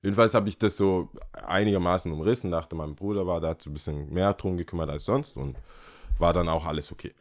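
Deep-voiced young man telling a story. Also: fairly quick. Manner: lively storyteller, acts out quotes with jumps in pitch. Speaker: podcast co-host. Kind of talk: casual chat, storytelling.

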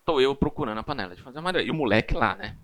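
A man's voice: mid-range voice, animated, racing, a bit bright. Chatty Brazilian man teaching a church class. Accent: Brazilian Portuguese. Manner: chatty, frequent tag questions. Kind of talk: casual teaching with personal stories.

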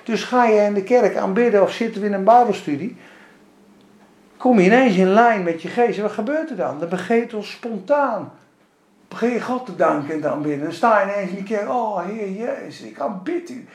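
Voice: medium pitch, fairly quick, a little mellow. A Bible study teacher giving emphatic Bible study teaching and putting rhetorical questions to the group. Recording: roomy echo.

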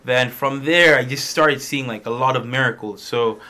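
Here a young Malawian man, an international student, gives a personal testimony to a small group, keeping it casual and conversational. His mid-range voice sounds bright and forceful, moving at a normal speed.

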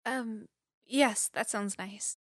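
A woman playing an earnest, serious-minded writer in an audio drama, precise, deadpan and easily exasperated. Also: mid-range voice, slow pace, breathy edge, no room sound, studio quality. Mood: reserved, serious.

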